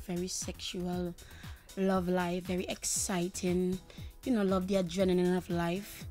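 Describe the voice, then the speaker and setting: A woman's voice: on the low side, a little mellow. A young woman from Trinidad and Tobago, a singer answering interview questions confidently, often saying "you know". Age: young adult.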